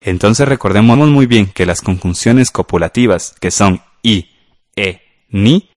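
A man's voice: on the low side, measured pace, a little mellow, no room sound, clean studio sound. A man teaching a grammar lesson for radio class, patiently walking through exercises step by step.

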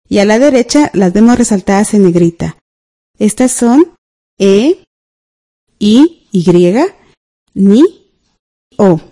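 A calm female teacher leading a radio grammar class. Her fairly high voice is mellow and moves up and down in a lively way as she guides each step. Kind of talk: radio lesson explaining grammar.

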